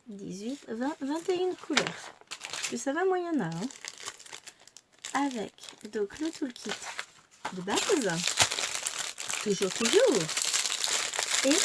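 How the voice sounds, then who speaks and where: A woman with a fairly high voice chats her way through a craft session, dropping wry little asides and counting things off under her breath. Loud crinkling and rustling of packets covers much of the recording. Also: heavy background noise. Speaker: craft vlogger. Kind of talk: casual chat while unboxing and crafting.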